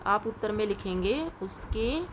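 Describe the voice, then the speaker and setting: A woman teacher going through a lesson with children, dictating answers slowly and patiently. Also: medium pitch, animated, slight background noise, low-quality recording. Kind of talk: online class lesson.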